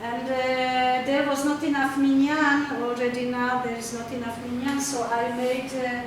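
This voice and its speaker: An older Hungarian-speaking woman from Czechoslovakia gives a slideshow talk about her own artwork at an exhibition opening. Her high-pitched, flat voice comes out haltingly, full of fillers as she searches for words. The recording is noisy, captured from far off in an echoey hall.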